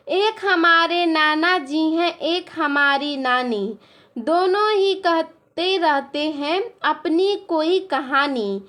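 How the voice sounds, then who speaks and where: Female teacher, high voice, slow and patient, walking young pupils through answers. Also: fairly bright tone. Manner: explains patiently, often says "ठीक है". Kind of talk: classroom lesson explanation.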